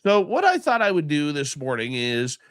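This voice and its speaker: A man's voice: fairly high pitch, huge pitch swings, normal speed, a bit bright, clean tone, dry recording. Sleepy stuffed-up guy hosting a live radio stream, chatty and rambling, voice bouncing all over, dry sound. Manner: rambling, chatty, affectionate with viewers. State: congested, stuffy nose; sleepy, just woken up. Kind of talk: casual live show chat, reading out chat names.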